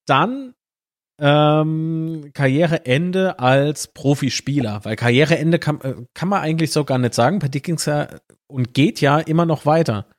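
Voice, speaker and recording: A man's voice: a little high, unhurried. A man from the Palatinate, interviewing in a chatty, joking manner. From Palatinate, Germany. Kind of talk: interview, casual talk.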